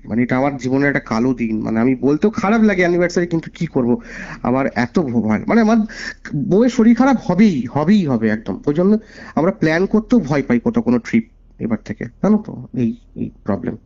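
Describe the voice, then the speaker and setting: A man from West Bengal, India, with a Bengali accent calls in to tell a personal story conversationally, earnestly repeating phrases for emphasis. His mid-range voice is sing-song, brisk and a little mellow. The call recording is dull and lo-fi, with music in the background.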